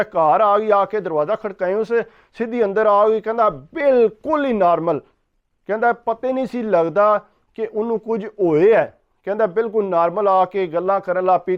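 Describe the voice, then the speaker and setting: High-voiced Pakistani Punjabi male storyteller. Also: clear, resonant tone. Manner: repeats "he said" before each line of the tale. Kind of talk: retelling a ghost story in Punjabi. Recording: dull, lo-fi recording.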